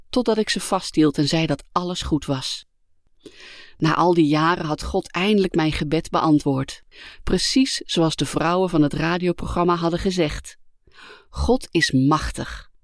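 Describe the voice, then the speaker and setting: Woman reading a life story, calm and earnest, lowish voice, dry close sound. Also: no echo. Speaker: narrator. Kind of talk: scripted first-person narration of a life story.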